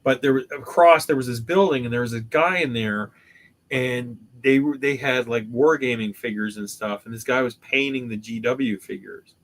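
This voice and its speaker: A man's voice: mid-range voice, normal speed. Rambling, joking man in his fifties. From Canada. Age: 50s. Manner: rambling, swears and jokes freely. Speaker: podcast host. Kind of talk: casual chat.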